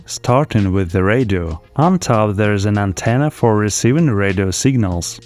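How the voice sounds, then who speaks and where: A man's voice: fairly low pitch, a little mellow. A man reading scripted voice-over narration as a product reviewer. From lives in Spain.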